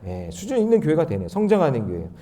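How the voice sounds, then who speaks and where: Lively, high-pitched male preacher. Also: very fast. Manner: animated, swinging between loud emphasis and quiet asides; leads the congregation in reading scripture aloud. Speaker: pastor. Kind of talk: dawn prayer meeting sermon.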